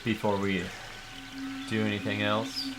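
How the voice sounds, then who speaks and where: A man running a tabletop game as game master, narrating casually and haltingly as he thinks aloud. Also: fairly low pitch, monotone, over loud music.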